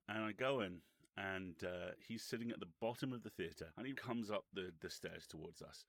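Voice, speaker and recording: A man's voice: low voice, gravelly, no room sound. A British man co-hosting a podcast, telling casual anecdotes in a profane, wry storytelling manner. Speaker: podcast co-host.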